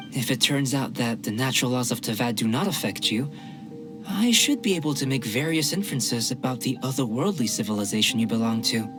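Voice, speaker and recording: An actor playing a calm, curious young male alchemist in a video game, speaking formally and precisely. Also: medium pitch, natural voice. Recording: game music behind the voice.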